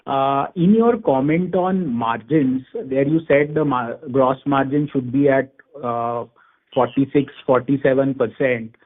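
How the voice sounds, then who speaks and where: A man's voice: mid-range voice, a little slow. A man calling in as an analyst to put questions on an earnings call. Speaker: analyst caller asking questions. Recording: narrow tinny phone line.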